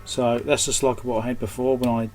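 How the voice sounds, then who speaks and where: At his indoor repair workbench, an electronics technician and host mutters short, unscripted fragments as he thinks aloud through a hands-on fix. His medium-pitched voice barely moves in pitch, runs a little fast, and sounds a little mellow, with a slight hiss or hum in the recording.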